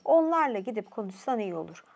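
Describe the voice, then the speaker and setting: A woman's voice: fairly high pitch, big pitch swings, fast talker, gravelly, darkish tone, full character voice. A woman voicing a strong, hot-tempered male thunder god making blunt threats. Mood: stern. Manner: blunt, threatening, grimly cheerful.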